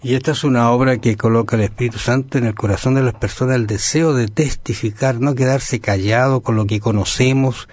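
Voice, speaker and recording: Calm man explaining scripture. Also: medium pitch, a little fast, few pauses, dry recording. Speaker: Bible study program co-host. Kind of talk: conversational Bible study dialogue.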